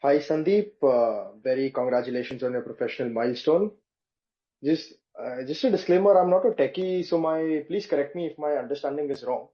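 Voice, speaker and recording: A man's voice: fairly high pitch, brisk. A man with an Indian accent politely and deferentially asking a question as a caller on a conference call. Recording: dull, band-limited phone call.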